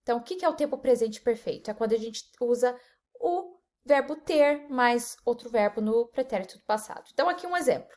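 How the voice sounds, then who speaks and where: Brazilian woman, English teacher, fairly high voice, upbeat, stretches out example phrases. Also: lively intonation, darkish tone. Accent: Brazilian Portuguese. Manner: upbeat, slows down to model English pronunciation. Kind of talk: online English lesson.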